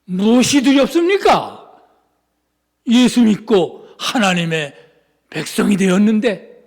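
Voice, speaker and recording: A pastor from Seoul with a high-pitched voice delivers his sermon, climbing into fervent shouts and then sinking into soft, quiet asides. His voice rings through a church sanctuary with a long, lingering reverb. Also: big pitch swings, slow pace, creaky.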